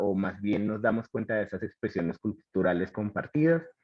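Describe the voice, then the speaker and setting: Here is a man with a La Guajira accent. His pitch sits in the medium range and his intonation is lively. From Colombia, La Guajira (Wayuu community, Maicao). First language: Wayuunaiki (speaking Spanish). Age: 40s. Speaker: dance artist and speaker. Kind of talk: lecture. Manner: hesitant, with fillers and repetitions.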